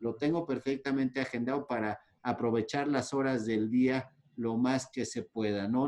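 At a fairly slow pace, a man with a medium pitch and fairly even intonation talks in an unremarkable speaking voice. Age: 30s. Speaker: politician. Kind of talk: interview. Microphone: connection cutting out.

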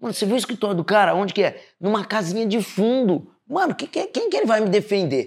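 A man talks at a very fast pace with hardly any pauses. His pitch is high, and his intonation is lively. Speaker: podcast host. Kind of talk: casual banter, podcast chat.

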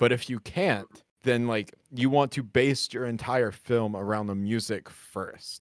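A plain, everyday voice moves at a fairly slow pace with hardly any pauses. Its pitch varies in an ordinary way. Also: man, medium pitch for a man. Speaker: podcast host. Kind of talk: casual chat.

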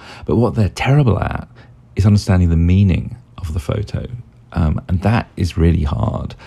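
With a British accent, a man speaks at a moderate pace with lively intonation and a very deep, low pitch over noticeable background noise. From Great Britain. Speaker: podcaster and designer. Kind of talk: recorded voice message. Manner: halting.

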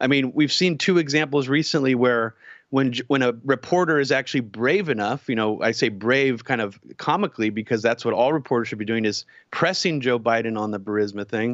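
A man speaks at a medium pitch and a fairly quick pace, with ordinary pitch variation. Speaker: filmmaker and podcast host. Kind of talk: interview. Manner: hesitant, many fillers.

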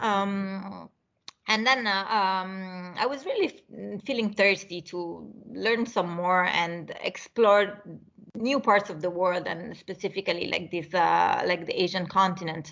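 Speaking with an Italian accent, a woman talks at a very slow pace. Her voice has a medium pitch and ordinary pitch variation. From Italy, Tuscany. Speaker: finance analyst. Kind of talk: interview. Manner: halting, many fillers.

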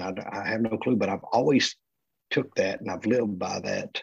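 With an American accent and a normal speaking voice, a man talks at a moderate pace in a fairly low pitch. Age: 40s. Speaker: business owner and sketch card producer. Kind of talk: interview.

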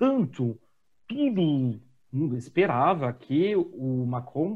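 This is a man talking. His voice sounds somewhat breathy. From France. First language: French (speaking Portuguese). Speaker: economics professor. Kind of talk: panel discussion.

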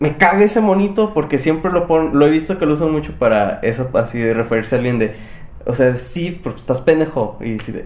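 Fairly quick pace with lively intonation. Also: man, fairly high pitch for a man. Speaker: podcast co-host. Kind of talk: casual chat.

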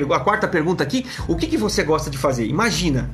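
Both audible room echo and noticeable background noise accompany the man talking. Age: 40s. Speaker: emotional intelligence coach. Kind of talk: live stream talk.

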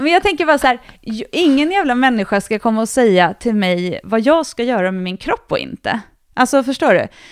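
Her high voice swings very widely in pitch as a woman talks at a fairly quick pace in a very clean recording with a silent background. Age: 30s. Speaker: podcast host, strength coach. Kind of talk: casual chat.

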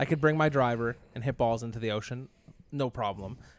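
An unremarkable speaking voice. It moves at a fairly quick pace with ordinary pitch variation. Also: man. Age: 20s. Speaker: sports podcast co-host. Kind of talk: casual chat.

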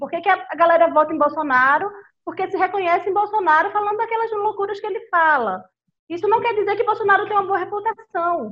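A woman talks with a Brazilian accent. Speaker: business reputation expert. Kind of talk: casual chat.

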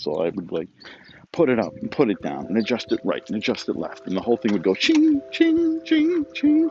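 A man talks at a fairly quick pace with big swings in loudness, and there is noticeable background noise. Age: 40s. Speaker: podcast host, military veteran. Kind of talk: solo monologue. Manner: conversational, rambling with fillers.

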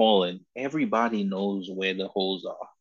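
A man with an American accent, fairly low in pitch, at a fairly slow pace against a quiet background. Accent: slight accent he notices himself. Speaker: football podcast co-host. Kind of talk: casual sports podcast chat.

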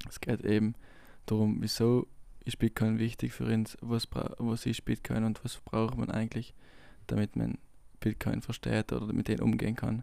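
A man speaks with a South Tyrolean accent. His pace is moderate. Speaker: podcast co-host. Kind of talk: casual chat.

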